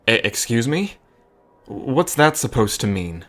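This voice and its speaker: An actor in an audio drama playing a guarded, pragmatic worrier, earnest and defensive, sometimes halting. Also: male voice, medium pitch, big pitch swings, fairly bright tone. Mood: defensive, pained. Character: guarded, worrying man, pragmatic, once heartbroken.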